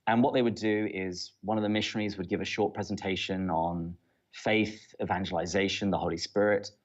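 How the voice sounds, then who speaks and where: A man's voice: low voice, steady tone, brisk. A man from southern England with a British, Southern English accent, talking casually and with dry understatement as an interview guest. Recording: dull, lo-fi audio.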